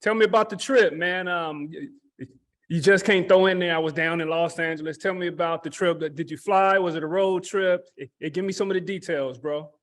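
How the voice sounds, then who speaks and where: A man's voice: high-pitched, fairly even intonation, a little fast, fairly bright tone. A man co-hosting a casual sports podcast, laid-back and slangy, drops short affirmations as he listens. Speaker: podcast co-host, former player.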